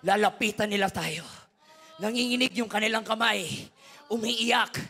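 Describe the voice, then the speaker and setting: Filipino man as pastor: very high, bright voice, sermon swings from hush to shouting. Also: normal speed. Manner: swings from hushed storytelling to shouted preaching.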